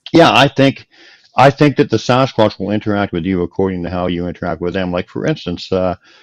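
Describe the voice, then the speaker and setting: A man's unremarkable speaking voice, fairly quick and lively in intonation, dry and close with no echo, over a quiet background. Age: 60s. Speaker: podcast host. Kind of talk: casual chat.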